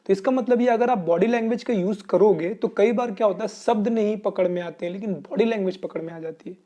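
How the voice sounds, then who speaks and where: A man from Uttar Pradesh with an Indian Hindi-speaking accent gives an explanatory Hinglish English lesson, answering his own questions. His voice is high-pitched and mellow, and he talks quickly.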